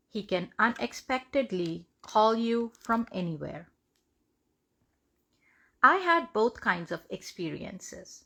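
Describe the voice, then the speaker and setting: A woman reads a devotional testimony aloud in measured, deliberate phrases. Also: medium pitch, creaky, a bit bright, breathy edge. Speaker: devotional reader.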